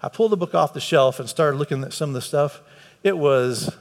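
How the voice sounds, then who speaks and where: Earnest preacher in a reverberant hall. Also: male voice, fairly high pitch, brisk. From United States. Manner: earnest, repeats words for emphasis, voice climbs when stressing a point. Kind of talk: conversational sermon. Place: church hall with a live congregation.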